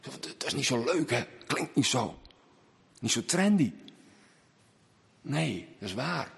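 A man preaching a sermon in a church, swinging between raised emphasis and hushed, low phrases. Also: sing-song, slow, creaky, husky. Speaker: pastor. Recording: long church reverb.

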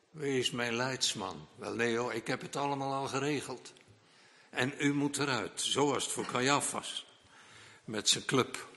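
A man preaches a sermon in a gravelly, unhurried voice, turning to the congregation again and again. He drops to quiet asides and then rises into loud, emphatic declamation. His words ring out with the long reverb of a church hall. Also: mid-range voice. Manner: repeatedly addresses the congregation directly.

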